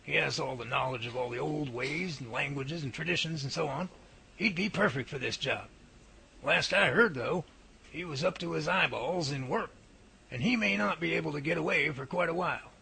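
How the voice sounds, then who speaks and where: A man's voice: on the high side, normal speed, gravelly, sharp tone, a little hiss or hum. A man acting a folksy, earnest Bigfoot researcher in a radio drama, full of old-fashioned exclamations and homespun idioms. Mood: matter-of-fact. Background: music.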